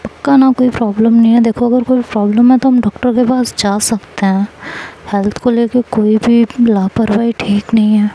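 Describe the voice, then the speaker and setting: A woman's voice: fairly high pitch, level tone, normal speed, warm tone, poor audio. A woman voicing a protective, teasing young husband in a storytelling reading. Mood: worried. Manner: scolding, fussing, teasing.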